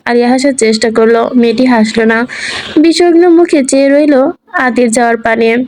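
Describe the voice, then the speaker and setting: A woman's voice: a little high, moderate pace, darkish tone, slight background noise. Woman reading a romance story aloud. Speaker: story reader. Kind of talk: scripted narration.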